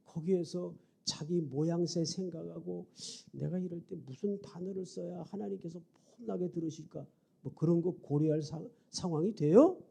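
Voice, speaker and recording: A middle-aged man preaching a storytelling sermon, swinging dramatically from hushed to loud. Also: sits high, vocal fry, husky. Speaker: revival preacher.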